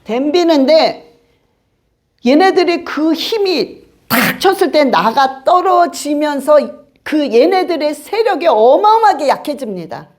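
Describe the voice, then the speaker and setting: Lively high-voiced woman preacher. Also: a little slow. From Korea. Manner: animated, colloquial, acts out voices of spirits and doubters. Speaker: pastor. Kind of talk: sermon.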